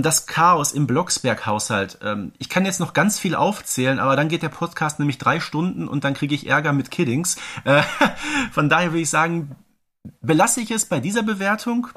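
A man's voice: a little high, sing-song, moderate pace, bright, forceful tone. A man co-hosting a podcast, chatting informally about an audio drama series. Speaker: podcast co-host.

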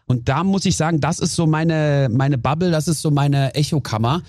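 A man guesting on a podcast, telling lively stories in casual chat and briefly acting out his own outbursts. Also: fairly high pitch, moderate pace, no room sound, clean studio sound.

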